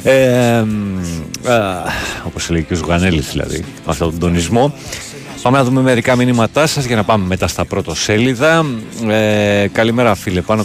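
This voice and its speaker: A male radio host with a low-pitched voice, chatting casually through a morning sports show. He reads listener messages and sports items in a studio, with faint music playing behind him. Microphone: studio microphone. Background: quiet music.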